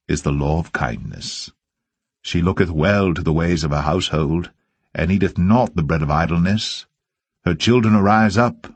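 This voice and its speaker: A man reading scripture aloud as solemn narration, with measured and deliberate phrasing. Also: low voice, husky, no echo. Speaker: Bible reader.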